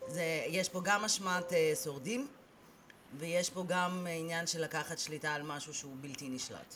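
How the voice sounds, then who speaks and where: A woman talks at a moderate pace and a fairly low pitch. Background noise is noticeable. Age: 40s. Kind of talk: casual chat.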